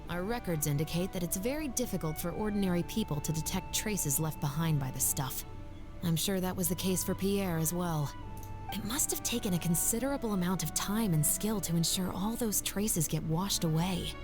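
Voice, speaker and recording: A woman's voice: lowish voice, moderate pace, natural voice. A woman acting a confident, businesslike lady investigator. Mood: analytical. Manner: businesslike, articulate. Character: confident female special patrol officer, earnest investigator. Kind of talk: video game voice acting. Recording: game dialogue under clear background music.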